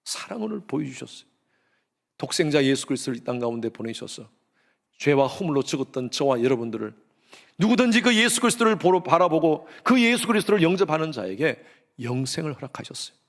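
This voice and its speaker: A middle-aged man preaching a sermon as pastor, swinging between loud exhortation and hushed, low tones. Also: animated, brisk, creaky.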